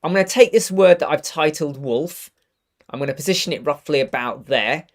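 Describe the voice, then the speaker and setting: Croaky man hosting a live stream. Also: on the high side, moderate pace. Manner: upbeat and chatty, with restarts. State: croaky from a cold. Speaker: host of a web design live stream. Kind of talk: casual live tutorial chat. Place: home studio room with purple lighting.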